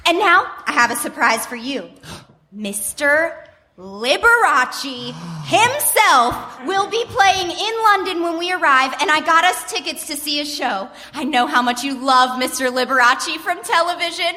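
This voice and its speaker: A woman playing an excitable, gushing wife in a comic radio play, with theatrical delivery. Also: sits high, a little slow, exaggerated voice. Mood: chatty, teasing. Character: excited, gushing wife off to renew wedding vows. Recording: reverberant live theater stage, faint noise.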